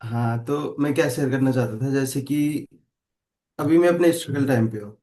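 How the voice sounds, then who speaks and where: A man's voice: mid-range voice, normal speed, warm tone. Hesitant young man sharing his worries. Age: 20s. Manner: hesitant, searching for words. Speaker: participant sharing a problem. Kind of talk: casual personal sharing.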